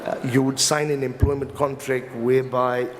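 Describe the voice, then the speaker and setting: A man with a South African accent giving an explanatory conference talk as a legal professional, in a halting, hesitant delivery with repeated words. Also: mid-range voice, level tone. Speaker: company lawyer speaking as a summit panelist. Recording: reverberant hall with clear background noise.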